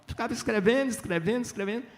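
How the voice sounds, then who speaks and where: Talking at rapid-fire speed in a very high-pitched voice, an older writer from Minas Gerais, Brazil, spins lively, chatty stories on a literary festival panel. He throws in tag questions and frequently performs the dialogue.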